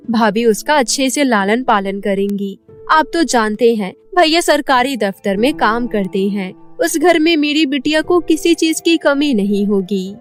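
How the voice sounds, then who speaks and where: A woman voicing a gentle, caring village mother in a cartoon story, speaking softly and earnestly. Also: fairly high pitch. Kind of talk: Hindi cartoon story dubbing.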